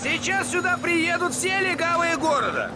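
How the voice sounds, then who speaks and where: A man's voice: extremely high pitch, expressive, normal speed. A man playing a jumpy, griping old-time gangster passenger in a dubbed crime game. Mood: agitated. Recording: distant game audio under loud music.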